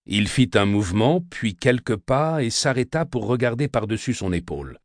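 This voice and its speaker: A man reading a classic novel aloud as an audiobook narrator, with a measured, expressive delivery into a close studio microphone. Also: medium pitch, no echo. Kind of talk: scripted literary narration.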